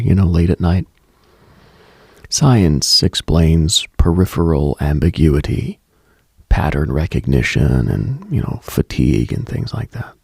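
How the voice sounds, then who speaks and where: A man hosting late-night radio with a brooding, deliberate scripted monologue in a hushed, husky, gravelly voice. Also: sits low, no echo, studio quality.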